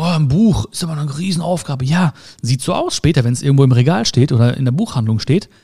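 A man's voice: on the high side, gravelly, slightly rough. A man giving a casual motivational monologue, talking straight to the listener with rhetorical questions and playful sound words. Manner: animated, addresses listener directly with rhetorical questions.

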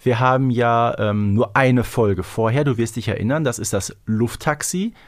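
Guy on a podcast, normal pitch, casual chatty retelling, lots of little tag questions. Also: moderate pace. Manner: chatty, colloquial, seeks agreement with tag questions. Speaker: podcast co-host. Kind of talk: casual retelling and discussion of an audio drama episode.

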